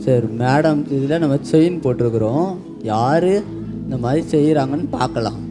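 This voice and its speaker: A man voicing a fair-minded office boss in a church puppet show, speaking in a measured, explaining way. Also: medium pitch, natural voice. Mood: puzzled. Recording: live show with background music.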